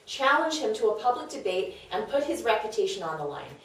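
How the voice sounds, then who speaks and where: A woman's voice: mid-range voice, sing-song, brisk, lightly acted. A woman playing a scheming, worldly confidante in a comedic table read, persuasive, knowing and emphatic. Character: scheming, worldly, brash female confidante of a wife. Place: echoey room, away from mic. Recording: very echoey room, distant mic.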